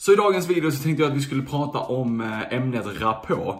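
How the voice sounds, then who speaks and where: Audible room echo surrounds a man speaking at a fairly quick pace with very wide pitch swings. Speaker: YouTuber. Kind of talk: casual vlog monologue.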